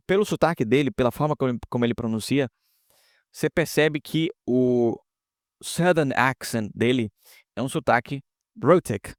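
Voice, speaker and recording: A man's voice: medium pitch, no echo, clean studio sound. Man teaching English in Portuguese. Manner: explanatory, repeats and checks in with "tá?". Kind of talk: casual online lesson.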